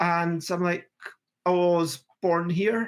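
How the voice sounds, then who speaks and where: A woman is speaking. She talks with a Glaswegian accent. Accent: Glaswegian Scottish. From Scotland, Glasgow. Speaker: game designer. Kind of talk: interview. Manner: animated.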